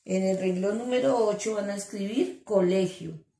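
Woman teacher dictating slowly. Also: medium pitch, dark tone. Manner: slow, syllable-by-syllable dictation with endearments. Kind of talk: online class for young children. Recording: echoey room.

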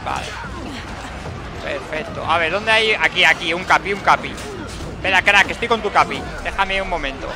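A man with a Spain Spanish accent giving jokey, excitable gameplay commentary and talking to the game characters. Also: sits high, moderate pace. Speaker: gaming channel host. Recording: game music and sounds behind.

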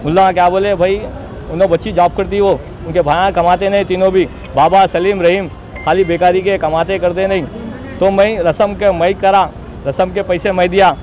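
A man's voice: high voice, flat delivery, moderate pace, darkish tone, faint music behind, poor audio. A young man with a Hyderabadi accent giving an insistent, repetitive, self-justifying statement to reporters outdoors. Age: young adult. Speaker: interviewee giving a statement to local news. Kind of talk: spoken personal testimony to reporters. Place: outdoors beside a street wall. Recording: outdoor street noise behind.

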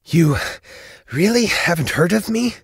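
A man's voice: high voice, normal speed, dry recording, studio quality, voice pushed up, close to an everyday voice. A man voicing a bold, brash female vanguard warrior with a commanding manner in a fantasy audiobook. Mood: breathless taunting. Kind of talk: dramatic fantasy audiobook character.

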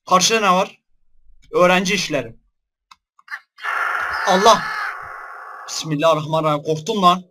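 A young man giving let's-play commentary on a horror game, jumpy and shouting in fright, then joking. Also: fairly high pitch. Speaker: gaming YouTuber.

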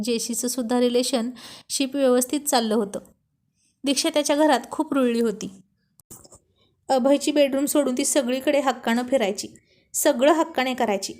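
A woman with a somewhat high voice reads a romance story aloud. She narrates plainly and speaks every character's lines in her own voice.

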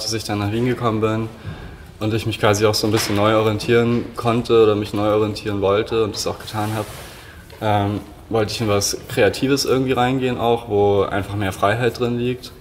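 A man's voice: on the low side, little pitch movement, moderate pace. Twenties man from Munich, student interview, loose and filler-heavy, faint background hiss. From Munich, Germany. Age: 20s. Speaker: stage design student. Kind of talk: casual interview talk. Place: indoor studio room.

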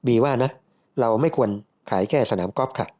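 A man voicing a bright young woman assistant from the north, soft and gentle, explaining her ideas politely. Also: medium pitch, lively intonation, a little fast, dull audio, close to an everyday voice. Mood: gently explaining.

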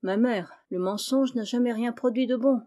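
A woman reading the part of a calm, firm young daughter in an audiobook. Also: fairly high pitch, moderate pace, pitched above the performer's own voice, natural voice.

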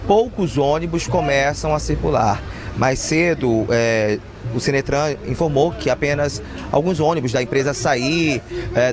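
Brazilian field reporter, live and ad-libbed, loud street noise behind. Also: male voice, medium pitch. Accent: Brazilian Portuguese. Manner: ad-libbed, with hesitations. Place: outdoor bus terminal at night. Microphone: handheld mic.

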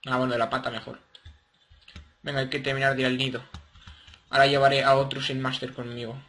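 A man giving casual, excitable gameplay commentary and playfully cooing at his game creatures. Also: medium pitch, quick pace.

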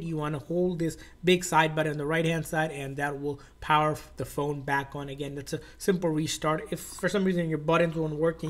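A man's voice: a little high, a bit bright. A man narrating a step-by-step tech tutorial in an informal, instructional way, often repeating his phrasing.

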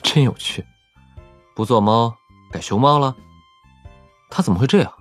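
A man's voice: mid-range voice, expressive, normal speed, soft background music, lightly acted. A man voicing an amused, needling young male police colleague in an audiobook. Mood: amused teasing. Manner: teasing.

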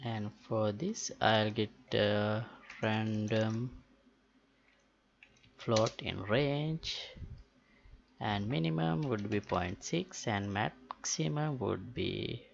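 A man talking through a software tutorial unscripted, thinking aloud in a halting way with pauses mid-sentence. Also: fairly low pitch, vocal fry. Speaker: tutorial host. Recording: dull, muffled lo-fi voice-over. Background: keyboard typing and mouse clicks.

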